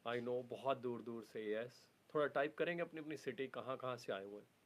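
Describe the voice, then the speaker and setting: A middle-aged man, a trainer hosting a live stream from an office, reads viewer messages aloud, naming their cities and mixing English words into his speech. His voice is medium-pitched and moderately paced.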